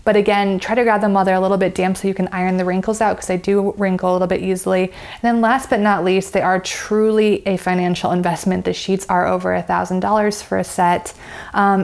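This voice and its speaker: A woman's voice: mid-range voice, darkish tone. A woman in her thirties with an American accent, giving a chatty, enthusiastic product review to camera while seated on a bed in a bedroom.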